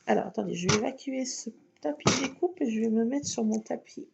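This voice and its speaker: A woman's voice: fairly high pitch, fairly quick, gravelly. A woman chatting through a crafting tutorial at home, explaining each step with lots of fillers. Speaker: craft vlogger. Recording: dull lo-fi sound with faint noise.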